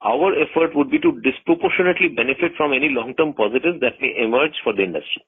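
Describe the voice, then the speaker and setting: A man with an Indian accent reads formal corporate remarks as a company executive, measured but now and then stumbling over words. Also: mid-range voice, breathy edge. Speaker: company executive presenting quarterly results and outlook. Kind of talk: formal prepared corporate remarks, read from script. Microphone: telephone conference call. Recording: muffled tinny conference phone line.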